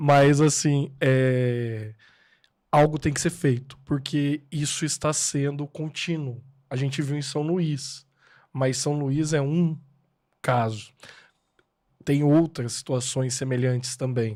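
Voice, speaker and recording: A man speaks at a very slow pace, with long, frequent pauses and fairly even intonation. His pitch is fairly high, and the recording is very clean with a silent background. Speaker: historian. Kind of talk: panel discussion.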